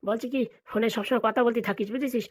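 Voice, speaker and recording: A woman's voice: a little high, fairly even intonation, natural voice. A woman voicing a scheming, money-hungry village father in a comedy cartoon, scolding and bantering. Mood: bossy, bantering. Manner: rapid, colloquial, bantering scolding.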